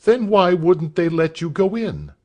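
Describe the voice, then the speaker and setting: A man reading aloud voices a kindly, eager schoolmaster keen on boxing, with an animated, exclaiming delivery. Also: sits high, a little slow, highs cut off, voice pushed up.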